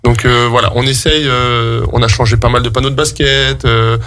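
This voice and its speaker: Halting Frenchman explaining in an interview. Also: mid-range voice, flat delivery, a bit bright, slight background noise. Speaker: guest, public sports facilities staff. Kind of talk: radio interview, explanatory talk.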